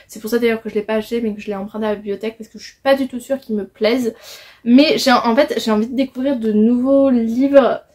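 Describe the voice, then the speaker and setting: A young French woman, a book vlogger, talks casually about her reading list in a book haul chat. Her voice sits on the high side and is a little mellow, and she hesitates and restarts often.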